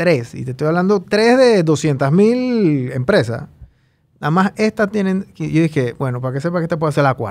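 Fairly high for a man, this voice swings very widely in pitch. He keeps a moderate pace over a quiet background. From Panama. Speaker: podcast host. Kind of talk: casual chat. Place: studio. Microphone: studio mic.

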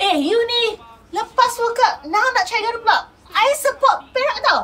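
This loud, put-on character voice has an extremely high pitch and moves at a moderate pace. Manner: loud, confrontational. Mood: teasing, mock argumentative.

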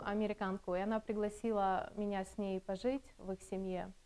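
Fairly slow speech from a woman. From Russian Far East, Khabarovsk. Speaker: psychologist. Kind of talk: casual interview. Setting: at home. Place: home room. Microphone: lapel.

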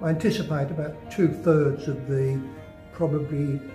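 Moderate-paced speech with audible room echo and clear music in the background. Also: man. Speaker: charity fundraiser walker. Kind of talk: interview answer. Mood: earnest, encouraging. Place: open country.

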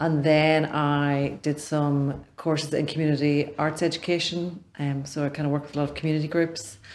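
A woman speaks at a moderate pace in a Northern Irish accent, her pitch very deep and low. Her intonation stays monotone and flat. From Northern Ireland, Belfast. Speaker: artist; interviewee. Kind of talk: interview. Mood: calm, reflective. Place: studio.

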